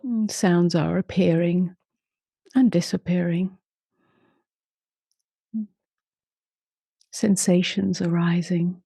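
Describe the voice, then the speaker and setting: A woman leading a guided meditation in a soft, slow voice, humming between phrases and often trailing into a whisper. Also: on the low side, steady tone, gravelly, slightly rough, no echo. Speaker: meditation teacher.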